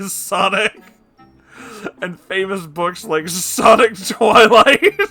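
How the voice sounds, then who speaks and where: A man with a bright, forceful voice reads a story aloud in a comedic, dramatic style. He often breaks off to react in disbelief. Music plays behind him. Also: fairly high pitch. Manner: breaks into laughter, exclaims in disbelief. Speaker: host reading fan fiction aloud. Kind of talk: comedic dramatic reading with incredulous asides.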